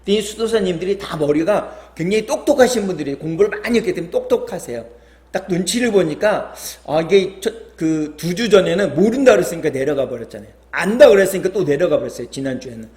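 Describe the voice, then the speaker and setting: A man telling a story as a pastor in a sermon, animated, acting out the characters' lines. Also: fast talker, echoey room. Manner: animated storyteller, acts out quoted lines with higher pitch.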